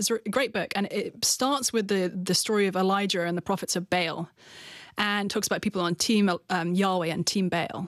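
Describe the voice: A woman speaks at a fairly quick pace with an English accent. Her pitch is medium, with ordinary variation.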